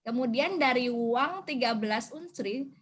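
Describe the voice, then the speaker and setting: A woman's voice: on the high side, lively intonation, breathy edge. A young woman moderating an online discussion, politely reading out questions from the audience. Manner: reads questions politely, then a quick joking aside. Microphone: video call.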